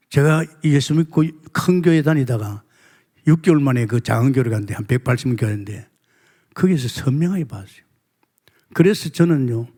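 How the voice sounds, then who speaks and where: Husky older male pastor preaching. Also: mid-range voice. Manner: swings between soft murmurs and emphatic rising exclamations; asks the congregation rhetorical questions. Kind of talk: sermon.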